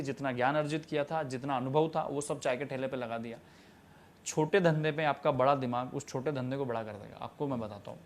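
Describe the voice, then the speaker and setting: A man's voice: medium pitch, a little hiss or hum. A young man in his twenties giving emphatic, preachy interview answers about starting a tea stall business, dropping in English phrases. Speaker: guest, tea stall entrepreneur.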